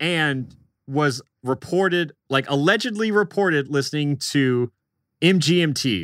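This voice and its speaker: A man with a plain, everyday voice, fairly high in pitch and fairly slow, lively intonation, very even loudness, on a very clean recording with a silent background and a dry, close sound with no echo. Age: 20s. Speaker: podcast co-host. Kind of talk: casual chat. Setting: call.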